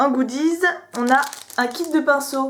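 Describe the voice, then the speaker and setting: The woman's voice is high-pitched, with ordinary pitch variation. She talks at a very slow pace. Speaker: beauty box unboxing vlogger. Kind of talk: casual unboxing vlog.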